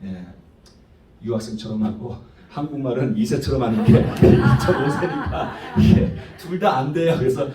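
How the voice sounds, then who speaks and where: A man's voice: mid-range voice, normal speed, music in the background. Guy pastor preaching, voice swoops up and down, english words mixed in, echoey and far from the mic. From Korean diaspora, 1.5-generation immigrant. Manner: mixes English words and phrases into Korean; animated, rhetorical questions to congregation. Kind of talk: sermon. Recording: roomy, distant microphone.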